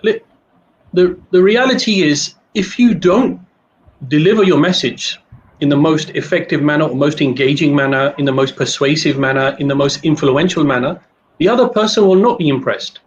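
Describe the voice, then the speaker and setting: A man's voice: fairly high pitch, moderate pace, highs cut off, a little hiss or hum. A middle-aged man with a Pakistani accent explaining as a guest coach, emphatic, repeating phrases and listing points over an internet call. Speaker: guest career coach and consultant.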